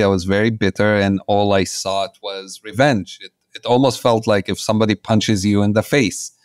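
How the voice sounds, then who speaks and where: Low, smooth-voiced man. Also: no echo, studio quality. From Jerusalem. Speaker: interview guest, peace activist. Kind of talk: personal storytelling.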